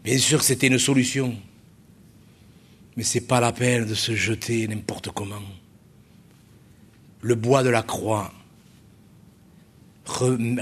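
A man's voice: medium pitch, fairly bright tone. A middle-aged man, a pastor preaching a sermon at a church service, emphatic and repetitive, full of rhetorical questions.

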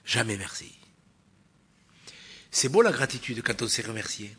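A man preaching a sermon in a church, emphatic, swinging from loud stresses to quiet asides and asking the congregation rhetorical questions. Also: medium pitch, animated, normal speed, a little hiss or hum.

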